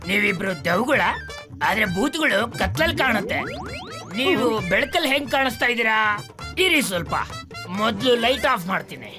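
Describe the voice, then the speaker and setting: Trouble Gum, a fussy old uncle. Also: female voice, on the high side, big pitch swings, normal speed. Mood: bossy. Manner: complaining, contrary, scolding. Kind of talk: dubbed cartoon voice acting. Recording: voice over loud cartoon music.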